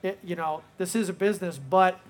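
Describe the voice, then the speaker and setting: Man, film director, high-set voice, live Q&A, rambling and filler-heavy. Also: brisk. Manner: rambling, leans on "you know". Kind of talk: live Q&A answers.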